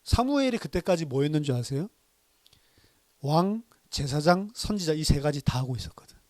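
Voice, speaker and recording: A man with a notably high voice delivers a sermon as pastor, recorded dry with almost no room sound. He preaches in a conversational, plain-spoken way. He keeps the congregation engaged with rhetorical questions. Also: sing-song, normal speed, a little mellow, no room sound.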